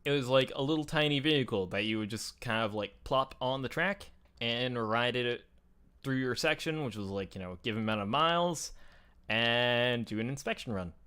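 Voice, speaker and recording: A man's voice: medium pitch, expressive, normal speed, sharp tone, clear, resonant tone. A man chatting casually and explaining things in a conversational, enthusiastic way, as a show host.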